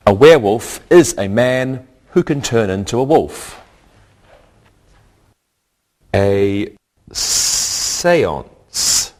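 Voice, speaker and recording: A man hosting a scripted English lesson, speaking carefully and repeating words for learners. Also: mid-range voice. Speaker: English teacher and host.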